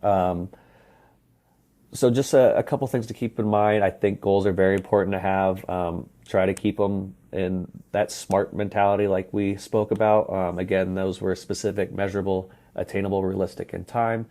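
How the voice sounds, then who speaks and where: A man's voice: low-pitched, normal speed. A young man, a hockey coach hosting a podcast, talking casually with many fillers. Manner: relaxed, rambling, many fillers. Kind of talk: casual solo podcast talk.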